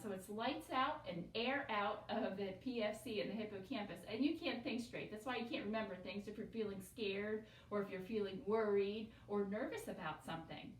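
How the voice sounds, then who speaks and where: A woman teaching young students, explaining slowly and patiently, with call-and-response repetition. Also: mid-range voice, slight background noise. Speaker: elementary school teacher. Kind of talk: classroom lesson video. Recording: echoey room, voice from a distance.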